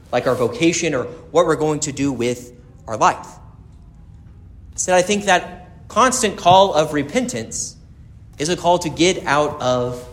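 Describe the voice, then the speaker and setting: An American man, a priest, speaking earnestly and with measured pauses as he reads scripture and preaches at Mass. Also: on the high side, a bit bright. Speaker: priest giving a homily at Mass. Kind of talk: Gospel reading and conversational sermon.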